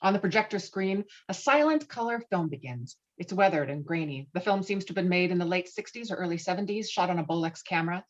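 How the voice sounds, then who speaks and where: A woman's voice: lowish voice, animated, fast talker, few pauses. Woman narrating, slightly muffled sound. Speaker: stage-direction narrator. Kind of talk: scripted narration at a table read.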